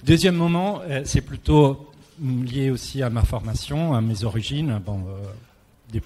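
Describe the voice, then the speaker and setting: A man's voice: mid-range voice, unhurried, dark tone. A man with an Italian accent, a native Italian speaker, giving a semi-prepared talk and often searching for words. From Italy. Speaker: round table speaker. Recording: echoey hall, clear background noise.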